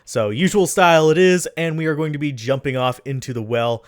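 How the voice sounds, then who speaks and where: A man's voice: a little high, brisk. A man giving casual commentary over his own gameplay, chatty and self-deprecating, often losing his train of thought. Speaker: let's play commentator. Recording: faint game music behind.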